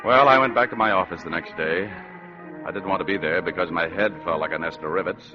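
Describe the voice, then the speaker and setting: An actor playing a world-weary, wisecracking private detective who also narrates, in a 1940s radio drama. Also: male voice, sits low, fast, over music, lightly acted. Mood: narrating. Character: wisecracking hard-boiled private eye, weary man. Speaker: narrator of the story. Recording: dull lo-fi old radio broadcast.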